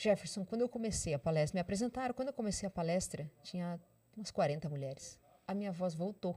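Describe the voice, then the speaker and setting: Very fast and lively in intonation, a woman speaks at medium pitch in a dark, mellow, somewhat breathy tone. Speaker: motivational speaker. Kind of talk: interview. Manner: animated.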